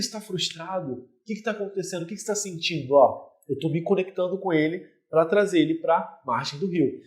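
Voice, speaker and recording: Brazilian male relationship coach, fairly high voice, talks right to camera, explains through simple pictures. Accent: Brazilian Portuguese. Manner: talks straight to the viewer, explaining with everyday images. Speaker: relationship mentor. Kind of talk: direct-to-camera coaching talk.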